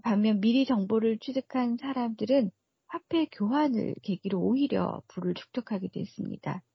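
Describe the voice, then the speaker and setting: A woman's voice: fairly high pitch, normal speed, creaky, slightly rough, no echo, highs cut off. A woman speaking as an expert radio guest, giving prepared analysis in a formal, explanatory way. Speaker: research fellow, expert guest.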